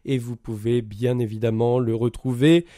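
A man's voice: mid-range voice, steady tone, normal speed, warm tone, no room sound, clean studio sound. A man reading a scripted radio station announcement between programs. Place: radio studio.

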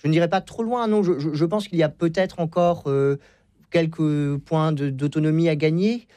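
A man's voice: fairly high pitch, normal speed, dark tone, no echo. Hesitant man, guest on a radio debate. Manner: hesitant, many repetitions and fillers. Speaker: guest historian. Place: radio studio.

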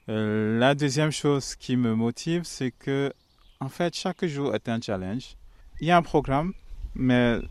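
A man's voice: medium pitch, a little mellow, dry recording. A man, a Catholic friar and priest giving reflective, earnest interview answers with frequent hesitations. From Cameroon.

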